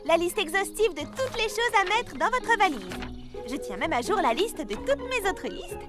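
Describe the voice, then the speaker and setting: A self-assured young cartoon girl who runs everything. She is brisk and emphatic, very high in pitch, with lively swings over music. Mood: proud, earnest. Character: bossy, proudly organised young cartoon girl. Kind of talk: French cartoon dub for children. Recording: music under the voice.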